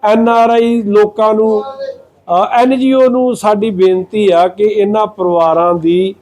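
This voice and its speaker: A man's voice: high-pitched, fairly even intonation, takes it slowly, darkish tone, rough recording. A man reporting from the field, interviewing a family and earnestly appealing for help.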